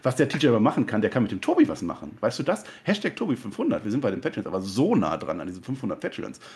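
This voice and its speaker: A man co-hosting a wrestling review podcast, joking and chatty in casual talk. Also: on the low side. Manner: joking, quick and animated. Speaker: podcast co-host. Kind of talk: casual chat.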